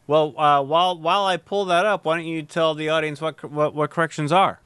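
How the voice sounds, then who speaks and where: A man's voice: a little high, steady tone, fairly quick, fairly bright tone, smooth, dry recording. A man co-hosting a podcast, telling stories in casual chat with many fillers and restarts. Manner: storytelling with many fillers and restarts, laughs along. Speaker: podcast co-host.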